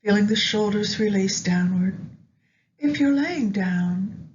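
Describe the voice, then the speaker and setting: A woman narrating a guided meditation in a gentle, soothing, unhurried manner with long pauses. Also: medium pitch, expressive. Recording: dull lo-fi audio with background noise.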